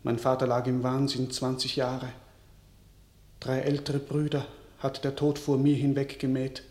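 Slow, solemn, despondent king. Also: medium pitch, roomy sound. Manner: solemn, declamatory, measured. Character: despondent, world-weary king giving up his crown. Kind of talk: classical verse radio drama acting.

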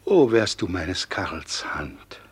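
An actor playing a frail old nobleman and grieving father in a classic radio play, speaking gently and slowly. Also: sits low, sing-song, breathy edge, exaggerated voice. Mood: tender. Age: older.

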